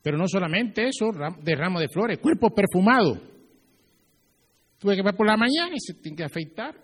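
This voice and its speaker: A male pastor giving a lively sermon, acting out little scenes as he preaches. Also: high-pitched, normal speed, husky, in a large hall.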